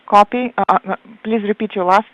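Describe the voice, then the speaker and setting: A woman's voice: medium pitch, steady tone, fairly quick, a bit bright, dry recording. A woman giving a live translation voice-over as interpreter, hesitant and full of filler sounds as she renders controllers' words. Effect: live translation voice-over on an audio loop. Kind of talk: simultaneous interpretation of flight control talk. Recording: narrow phone-like radio loop.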